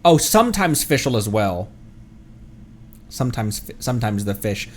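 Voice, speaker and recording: A man's voice: mid-range voice, sing-song, a little slow. A man who streams games as a VTuber, chatting casually and rambling as he thinks aloud. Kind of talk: casual livestream chat while gaming.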